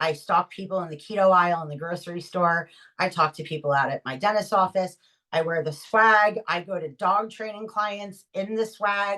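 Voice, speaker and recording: Loud and bright, a woman's sharp-toned voice moves at a moderate pace with ordinary pitch variation. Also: medium pitch for a woman. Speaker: dog trainer and product promoter. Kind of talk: testimony.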